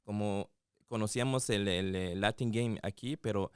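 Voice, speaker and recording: A man's voice: lowish voice, normal speed, a little mellow, clean tone, dry recording, studio quality. A man co-hosting a casual interview, speaking Spanish mixed with bits of English. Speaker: podcast co-host.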